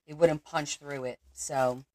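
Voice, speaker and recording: A woman's voice: deep voice, steady tone, unhurried, slight background noise. A woman from Portugal hosting a crafting livestream, thinking aloud as she works and answering viewer comments. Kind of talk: casual crafting livestream chat.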